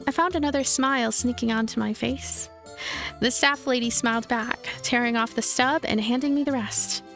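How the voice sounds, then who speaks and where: A woman's voice: on the high side, moderate pace, fairly bright tone, faint music behind. A woman streamer reading a visual novel aloud as narration, with casual asides. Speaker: let's play streamer.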